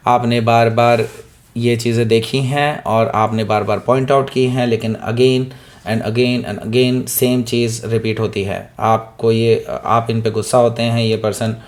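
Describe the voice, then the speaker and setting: A man with a hoarse throat giving a weekly tarot reading, talking straight to the viewer, often checking in with "okay?" and mixing in English words. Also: mid-range voice. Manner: keeps asking "okay?" to the listener, mixes in English words. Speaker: tarot reader.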